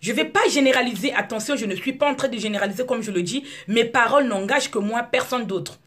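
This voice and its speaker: A woman in her thirties from Congo, whose first language is Lari, talking to her viewers in an outspoken monologue with frequent halting restarts. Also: on the high side, a bit bright. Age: 30s. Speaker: video blogger. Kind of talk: casual monologue to camera.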